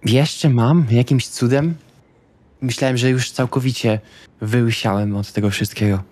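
A man's voice: mid-range voice, steady tone, unhurried, darkish tone. A man talking casually and politely, with some hesitation, as a player in a tabletop role-playing game. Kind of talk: casual in-character conversation.

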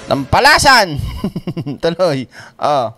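A man's voice: on the high side, sing-song, takes it slowly, over loud music. A man hosting a reaction commentary, mocking and laughing often as he talks. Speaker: commentary channel host.

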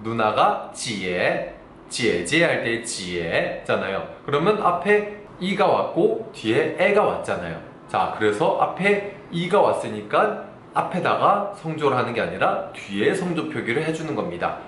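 A young man from South Korea teaching a Chinese lesson, patiently explaining and drawing out sample syllables slowly and loudly. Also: mid-range voice, very animated, reverberant, slight background noise. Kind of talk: online language lesson.

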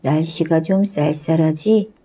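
A woman's voice: deep voice, measured pace, dark tone, slightly rough. Woman doing a copycat goblin. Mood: teasing mimicry. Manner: echoes the speech of others. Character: mischievous male goblin who mimics every word.

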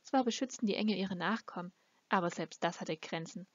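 A woman's voice: lowish voice, a little fast, no echo. A woman reading a fantasy novel aloud as an amateur audiobook narrator. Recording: dull, lo-fi close recording.

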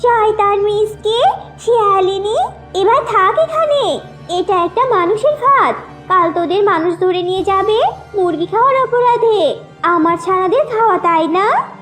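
A little female cartoon bird, extremely high-pitched and shrewd. She wheedles and scolds over faint children's music. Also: lively intonation, unhurried, a bit bright, full character voice. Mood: scolding. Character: small female bird, shrewd, indignant trickster.

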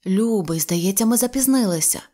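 A woman voicing a gentle, careful mother of a young boy in an audio fairy tale, speaking softly and politely. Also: mid-range voice, lively intonation, moderate pace, lightly acted. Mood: worried.

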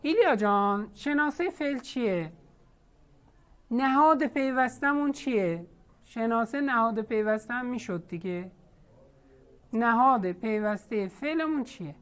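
A woman's voice: fairly high pitch, expressive. A woman teacher leading an online class, patiently questioning her students.

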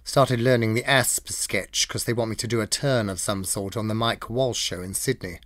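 A man's voice: lowish voice, steady tone, normal speed, fairly bright tone, no echo, studio quality. A man with a British accent giving a scripted, dramatic reading of diary entries. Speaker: diary reader. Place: dry studio.

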